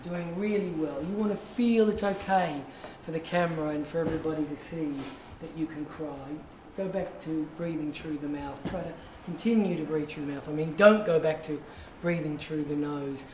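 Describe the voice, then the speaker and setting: A man, an acting teacher guiding students through a warm-up, encouraging and drawn-out. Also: a little high. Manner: encouraging, coaching with drawn-out phrasing. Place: large echoey class studio. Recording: echoey room, distant mic, noisy.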